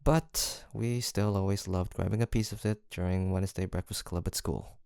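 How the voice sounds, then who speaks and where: A man acts out a college-aged best friend in an intimate audio roleplay. His low voice is mellow and gravelly at the edges, with a casual, teasing delivery that stays fond and playful. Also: steady tone, normal speed, dry recording, clean studio sound. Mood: easygoing banter. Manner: casual, playful, murmured hesitations and soft laughs.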